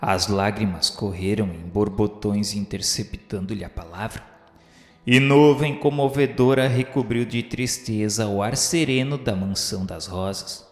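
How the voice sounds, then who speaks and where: A Brazilian man narrating a radio drama in a formal, literary style, measured and solemn. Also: lowish voice, faint music behind. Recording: roomy echo with long reverb.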